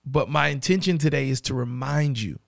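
A man with a raspy voice and a dry throat, hosting a podcast and speaking earnestly and directly to the listener. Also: mid-range voice, fairly quick, dry recording. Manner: earnest, repeats key phrases, addresses listener directly. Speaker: podcast host. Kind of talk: motivational podcast monologue.

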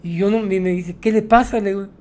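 A man's voice: high voice, steady tone, fast, darkish tone. A man, a taxi driver, telling his stories in a rambling way, tagging his sentences with "¿no?". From Mexico. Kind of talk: storytelling interview.

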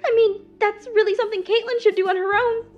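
A woman doing a very high flustered teen girl. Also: fairly even intonation, fast talker, highs cut off, faint music behind. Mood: worried. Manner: nervous, stammering, flustered. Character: flustered anxious teenage girl. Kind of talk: voiced animated roleplay.

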